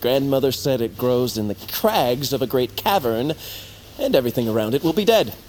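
A man's voice: mid-range voice, lively intonation, a little fast, a little mellow, a little hiss or hum, lightly acted, poor audio. A man acting a devoted, earnest young tribal hero in an audio drama, speaking expressively. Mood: focused. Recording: music behind the voice.

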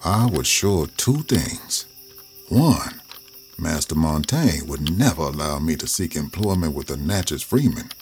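A man's voice: rumbling low, lively intonation, a little slow, darkish tone, soft background music. A man giving reflective, scripted first-person narration in a storytelling drawl.

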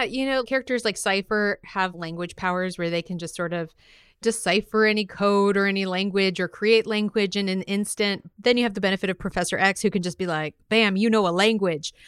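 A woman's voice: mid-range voice, clear, resonant tone, no echo, studio quality. A woman co-hosting a podcast in casual, upbeat entertainment chat, with an enthusiastic, playful and slangy manner. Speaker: podcast co-host.

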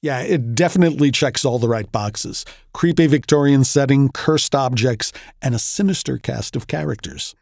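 A man's voice: medium pitch, moderate pace, vocal fry, hardly any pauses, darkish tone, dry recording, studio quality. A man hosting a story podcast, delivering a scripted introduction. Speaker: podcast host. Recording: faint music under the voice. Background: faint music.

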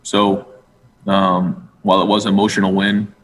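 A man, a coach, answering reporters in a measured way with fillers. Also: deep voice, completely flat delivery. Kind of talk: press conference answers. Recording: echoey hall with faint background.

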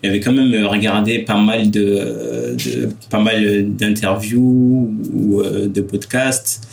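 A man's voice: lowish voice, flat delivery, slow pace, gravelly, far from the mic. A man in his twenties answering interview questions in a hesitant way, with many fillers and restarts. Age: 20s. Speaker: podcast guest, student entrepreneur.

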